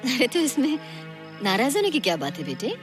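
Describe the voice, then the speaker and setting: A middle-aged actress playing a gentle mother who soothes and coaxes her grown son. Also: on the high side, very animated, fairly quick, music in the background. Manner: soothing, coaxing. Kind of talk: Hindi film dialogue.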